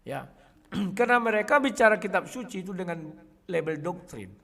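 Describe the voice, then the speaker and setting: A man speaking casually to his viewers in a combative way, often clearing his throat. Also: high-pitched, lively intonation, normal speed, pushed and bright, long reverb tail. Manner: combative, addresses listeners as "kawan", frequent throat clearing. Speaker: online video host.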